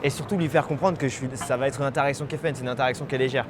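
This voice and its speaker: A young man coaching a student out on a city street, animated and encouraging as he explains what went right and wrong. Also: medium pitch, racing. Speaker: dating coach. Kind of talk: on-the-spot coaching feedback. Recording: outdoor street with traffic noise.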